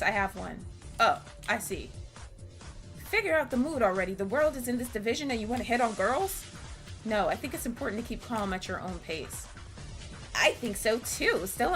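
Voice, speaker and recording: A woman reading game dialogue aloud, voicing bantering, earnest anime visual-novel students in a theatrical, expressive way. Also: fairly high pitch.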